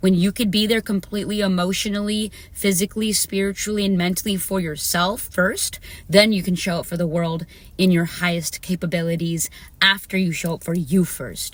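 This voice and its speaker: The voice belongs to a woman and is somewhat breathy. It sits at a medium pitch. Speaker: spiritual reader. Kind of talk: tarot reading monologue. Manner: fast; animated.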